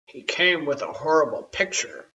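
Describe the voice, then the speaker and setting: A reader acting a loud, bossy storybook tribal chief. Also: mid-range voice, very animated, normal speed, vocal fry, distant mic, lo-fi sound, exaggerated voice. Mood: outraged. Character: gruff, bossy tribal head chief, male, grandiose. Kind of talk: acted storybook dialogue.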